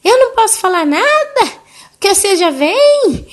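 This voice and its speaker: A woman voicing a hysterical grandmother in her sixties, shouting and complaining in a shrill, strained voice. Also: sing-song, a little slow, exaggerated voice. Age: 60s.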